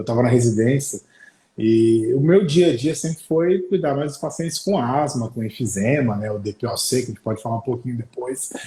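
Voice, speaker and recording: Speaking with a São Paulo interior accent, a man at medium pitch has a dark, mellow, somewhat breathy tone, lively intonation and a moderate pace. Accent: caipira accent from interior São Paulo. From Brazil, interior of São Paulo state (Barretos). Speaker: pulmonologist, doctor. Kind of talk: live-stream conversation. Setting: online live stream, video call with headphones. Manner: hesitant, repeats words.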